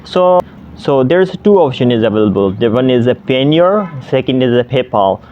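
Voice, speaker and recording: A man's voice: medium pitch, lively intonation, moderate pace, highs cut off, a little hiss or hum. A man in his twenties from Pakistan, a native Sindhi speaker, talking casually to the camera as an online language tutor, with many fillers and restarts. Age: 20s.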